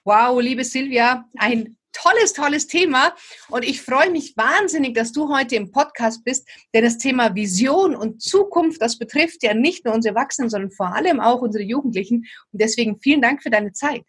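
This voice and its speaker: A woman's voice: fairly high pitch, lively intonation, moderate pace, a bit bright, husky. A woman hosting a podcast who greets her guest with enthusiasm and asks encouraging questions. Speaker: podcast host. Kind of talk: interview hosting.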